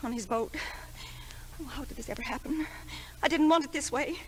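A guilt-ridden, anxious wife in vintage radio drama. Her voice is high and piercing, faltering as she pleads. The old broadcast carries some noise. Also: fairly quick, a bit bright, rough recording. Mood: distraught, pleading. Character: anxious, guilt-ridden married woman breaking down. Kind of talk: 1950s radio drama acting.

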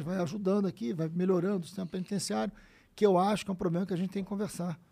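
A man, telling stories as a guest in a casual conversation, animated and full of swearing. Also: high-pitched, gravelly. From Brazil. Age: 50s. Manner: animated storyteller, frequent swearing and "né?" tags.

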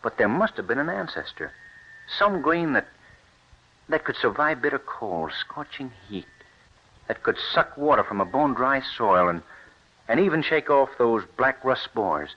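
A young adult man plays the earnest, stubborn scientist-turned-farmer who abandons university work in a 1940s radio drama. His mid-range voice moves at a moderate pace with big pitch swings, intense and sincere, on a muffled vintage recording.

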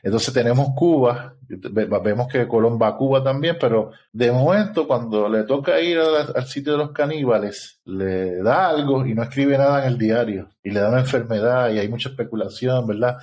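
A man's voice: medium pitch, normal speed, hardly any pauses, darkish tone. A man, speaking as a guest researcher in an informal podcast, explaining things didactically with rhetorical check-ins.

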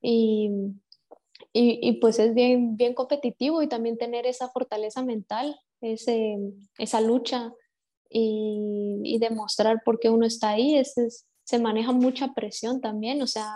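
A young woman footballer from Guatemala with a Guatemalan accent, giving measured, reflective interview answers with frequent restarts. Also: a little high, steady tone, dark tone. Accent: Guatemalan Spanish. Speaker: professional footballer, interview guest.

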